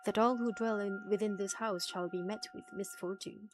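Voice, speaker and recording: A woman streamer reading a visual novel aloud and reacting in an animated, teasing way, swearing freely. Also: mid-range voice, normal speed. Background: music.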